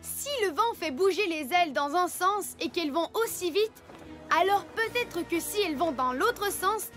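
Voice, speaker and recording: A woman's voice: very high voice, lively intonation, normal speed, a bit bright. A woman playing a brave, eager little alien boy who leads a patrol in a children's cartoon, speaking in an earnest, emphatic way. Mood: determined. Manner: emphatic, earnest, proclaims slogans. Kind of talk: animated children's cartoon dub. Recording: music behind the voice.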